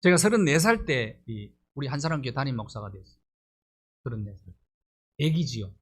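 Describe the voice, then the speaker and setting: A man's voice: medium pitch, animated, a little fast, fairly bright tone, slightly rough. A middle-aged male pastor delivering a sermon, pressing his points with rhetorical questions and rising emphasis.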